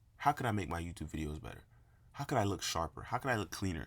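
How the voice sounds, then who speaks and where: Vocal fry runs through a serious tone at a very fast pace. The recording is very clean, with a silent background. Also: man. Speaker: motivational content creator. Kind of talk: motivational monologue to camera. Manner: speaking softer, not screaming; serious, controlled tone.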